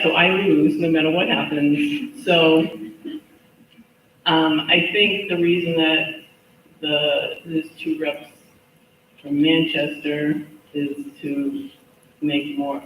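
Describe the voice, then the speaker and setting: Slow, bright-voiced hesitant man. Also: fairly high pitch. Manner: hesitant, trailing off. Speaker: resident speaking at public comment. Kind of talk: public comment at a hearing. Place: large echoey hearing room. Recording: echoey hall, distant mic, faint noise.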